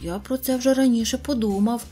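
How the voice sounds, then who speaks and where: A woman's voice: a little high, fairly quick, dark tone, faint music behind, pitched above the performer's own voice, lightly acted. A woman voicing a timid but clever little male rag toy dog in a storybook, speaking shyly and earnestly. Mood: eager. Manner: shy, eager, earnest.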